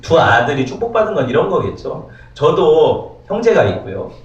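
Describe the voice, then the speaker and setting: Male pastor, sermon, animated questioning delivery; distant, dull, roomy church recording. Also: fairly high pitch, normal speed. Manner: animated, asks the congregation many rhetorical questions. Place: church sanctuary.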